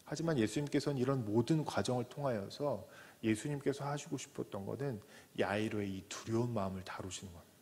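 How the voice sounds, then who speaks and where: A man, a pastor, preaching a sermon who acts out the voices in the story, from loud cries to soft whispers. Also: medium pitch, quick pace, few pauses. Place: church sanctuary. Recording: church hall with long reverb.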